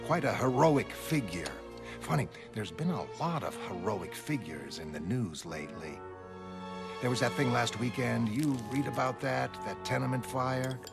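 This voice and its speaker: A man's voice: mid-range voice, lively intonation, normal speed, gravelly. A man voicing a cynical police detective who talks in a dry, streetwise way, over music. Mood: needling. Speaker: motion comic voice actor. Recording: music underneath.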